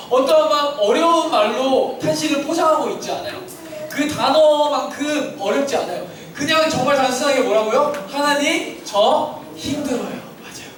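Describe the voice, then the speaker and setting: Man, very high voice, leads a kids' sermon with questions, roomy church hall with children chattering. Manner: asks kids questions, leads call-and-response. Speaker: children's pastor. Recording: very echoey hall, distant mic, children audible.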